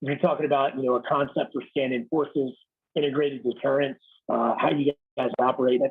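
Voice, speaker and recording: A raspy-voiced man in his thirties, a military officer giving a blunt, casual leadership talk over a video call. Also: mid-range voice, steady tone, a little fast, phone-quality sound. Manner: blunt, casual, swears lightly. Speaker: Marine Corps officer speaking to a unit.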